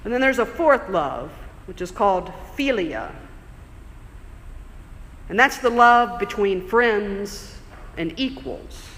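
A man preaching a sermon in a church, conversational and explanatory, slowing down for emphasis. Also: high voice, lively intonation, sharp tone. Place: church sanctuary. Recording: long church reverb.

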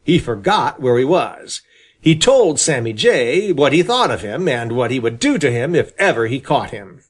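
A man reading a children's storybook aloud in an expressive, lively storytelling manner. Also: medium pitch, normal speed, slightly rough. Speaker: audiobook reader.

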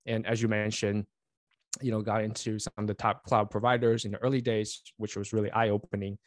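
A Taiwan-born man in his forties, Chinese his first language, talks in a fairly low voice, friendly and rambling, full of fillers and restarts. The sound is dry and close, with no room around it. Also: flat delivery, a little fast, dry recording. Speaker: guest, network engineer and author. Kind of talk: casual interview chat. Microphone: remote call.

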